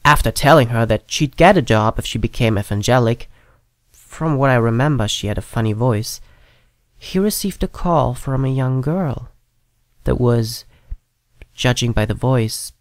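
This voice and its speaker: A man's voice: medium pitch, unhurried, no echo. A man narrating a scripted first-person horror story as if recalling memories. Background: prominent piano and keyboard music.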